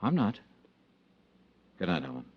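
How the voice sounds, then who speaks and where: A dull vintage radio recording carries a tough, unflappable American investigator. He speaks low and dry, with lively swings of pitch, in the probing manner of golden-age mystery radio. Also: a little slow, exaggerated voice. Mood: wry, cool. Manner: cool, dry, probing delivery. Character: shrewd, unflappable male insurance investigator, tough and wry. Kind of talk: 1940s-50s American radio drama acting.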